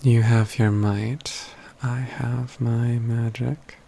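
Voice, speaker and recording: Slow, soft, creaky man playing a courtly mage. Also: medium pitch, flat delivery, a little hiss or hum. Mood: calm, deliberate. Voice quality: soft, breathy, often dropping to a whisper. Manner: measured, deliberate, halting phrases with pauses. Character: calm, courtly mage companion, gently teasing and resolute. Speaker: ASMR roleplay performer. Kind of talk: soft-spoken ASMR roleplay.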